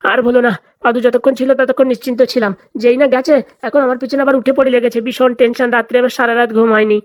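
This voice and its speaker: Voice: mid-range voice, fairly even intonation, very fast, no room sound, natural voice. A performer voicing an anxious, complaining older male tutor in a comedy cartoon, with a fretful, grumbling manner. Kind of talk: comic cartoon dialogue.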